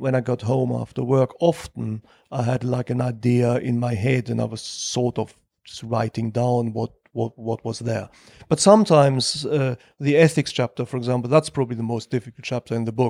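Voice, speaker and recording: A man with a German accent speaks at a moderate pace in a medium pitch, his tone dark and mellow. His intonation stays fairly even, and the sound is dry and close with no echo. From Germany. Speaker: author. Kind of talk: casual interview. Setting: in-person in a London apartment.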